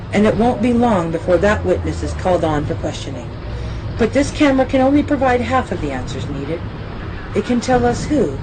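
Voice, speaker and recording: A woman's voice: mid-range voice, noisy background, close to an everyday voice. A woman playing a determined TV news reporter. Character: determined young female TV reporter, suspicious. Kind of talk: amateur radio drama acting.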